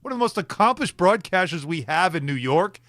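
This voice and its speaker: A man co-hosting a sports radio show in a studio, teasing his partner in an animated way and then reading a sponsor spot. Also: sits high, a little fast, no room sound. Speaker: radio co-host. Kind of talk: casual sports radio banter. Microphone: studio microphone.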